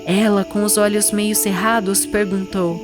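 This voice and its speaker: A Brazilian woman speaks as a literary reader and podcast host, at a middling pitch for a woman. Music plays clearly behind her voice. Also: flat delivery, unhurried. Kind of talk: literary narration and conversational book discussion.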